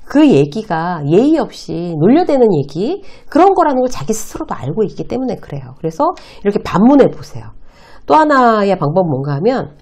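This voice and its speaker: A middle-aged woman gives a lively video lecture on workplace communication, speaking straight to her viewers and acting out the lines she quotes. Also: lowish voice. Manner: animated, addresses viewers directly and acts out quoted lines.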